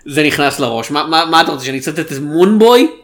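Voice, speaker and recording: A man with a slightly higher voice co-hosts a relaxed film podcast. He talks in a jokey, self-deprecating way, throwing in quick asides. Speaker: podcast co-host. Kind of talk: casual film chat.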